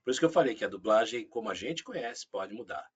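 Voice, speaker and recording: A man with a Brazilian Portuguese accent, a voice actor chatting casually as an interview guest, animated and full of asides. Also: on the low side, quick pace, slightly rough. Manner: animated, frequent fillers and asides.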